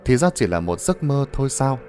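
A man's voice: mid-range voice, sing-song, brisk, darkish tone, faint music behind. A man narrating a ghost story in a dramatic, suspenseful manner.

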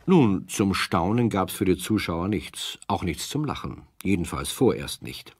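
A man's voice: deep voice, big pitch swings, a little slow, husky, no room sound, studio quality. A man narrating a scripted children's story as the narrator of a radio play.

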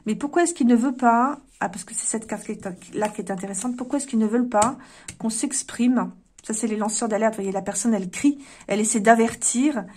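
A woman lays out cards and talks her viewers through each one, thinking aloud with plenty of fillers and restarts. Her voice sits a little high, and she muses more than she lectures, turning each card over in casual chat. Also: a little fast, a little mellow, slightly rough. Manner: musing, talks straight to viewers. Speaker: card reader. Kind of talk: casual card reading to camera.

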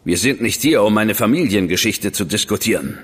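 Cold bossy government guy, lowish voice, curt, radio play with long reverb. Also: animated, a little fast, breathy edge. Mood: stern, warning. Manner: curt, cool, commanding. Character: stern powerful government man, older brother. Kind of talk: German studio radio drama acting.

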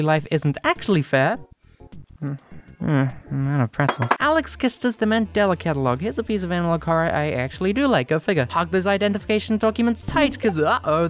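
Wry, sardonic video essayist, mid-pitched voice. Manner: wry, sardonic, playfully exaggerated. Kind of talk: casual scripted video-essay commentary.

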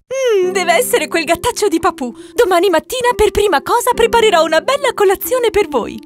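A woman voicing a sweet, gentle young heroine in a fairy-tale cartoon, with a girlish manner. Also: extremely high pitch, animated, fairly quick, over music. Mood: friendly.

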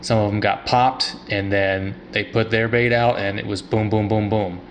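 Dude hosting a fishing vid on a boat, kinda low voice, upbeat plainspoken, bit of boat noise. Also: male voice, fairly even intonation, moderate pace, muffled recording. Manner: upbeat, plainspoken angler talk. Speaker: fishing show host. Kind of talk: casual fishing vlog narration. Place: outdoors on a boat on open water.

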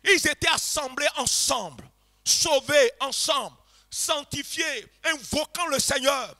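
A man preaching a revival sermon to a congregation, passionately shouting and chanting repeated phrases and leading them in prayer. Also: extremely high pitch, slow. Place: church congregation.

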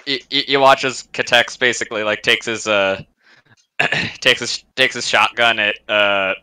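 A man's voice: medium pitch, measured pace, bright, forceful tone. A man playing a tabletop game, describing his character with jokes and lots of fillers. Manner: jokey, filler-heavy descriptions. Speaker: player. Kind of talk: casual tabletop play over voice chat.

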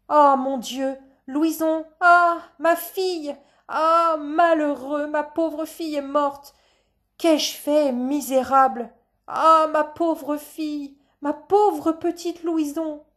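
A woman's voice: a little high, lively intonation, slow pace, a little mellow, pitched above the performer's own voice. A woman voicing an older man who acts a grieving stage father, theatrical and exclamatory with a raised voice. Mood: anguished.

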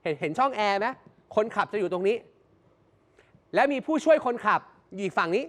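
A man's voice: sits high, expressive, brisk, a bit bright. A man reporting on location for a news show, speaking straight to viewers and repeating phrases for emphasis.

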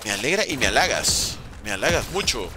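A Venezuelan man streaming a game live, chatting with viewers and reacting in quick bursts. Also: medium pitch, over music. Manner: lively, banters with chat, talks fast in bursts. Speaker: gaming streamer. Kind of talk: live gameplay commentary reading chat.

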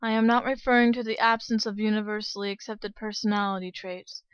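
A woman voicing an emotionless alien girl in human form, quiet, formal and deadpan, for an anime dub. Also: mid-range voice, a little fast, clean tone, dry recording, lo-fi sound, voice pushed down, close to an everyday voice. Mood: flat, detached. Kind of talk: anime dub audition acting.

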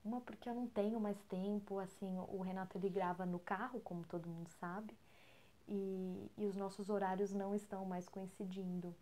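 A Brazilian woman with a Brazilian Portuguese accent, talking at home in a soft, almost whispering voice as she tells a story for a podcast. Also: medium pitch, level tone, normal speed. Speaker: podcast co-host. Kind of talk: storytelling talk.

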